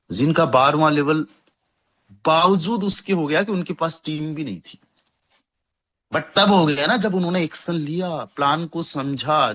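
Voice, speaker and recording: Man giving an upbeat earnings pitch. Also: fairly bright tone. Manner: hyping earnings, repeating figures, addressing friends. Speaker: network marketing presenter. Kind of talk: persuasive sales pitch.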